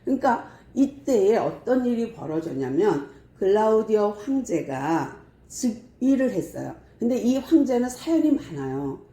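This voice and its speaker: A woman pastor preaching a sermon, telling the story in a lively way and acting out the scenes. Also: medium pitch, unhurried, few pauses, reverberant.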